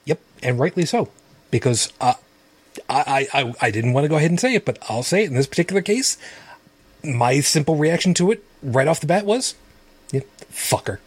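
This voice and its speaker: A man interjects on a podcast with blunt, animated remarks. His husky voice sits a little high and moves a lot in pitch. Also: fairly quick, dry recording. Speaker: podcast co-host. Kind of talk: casual discussion.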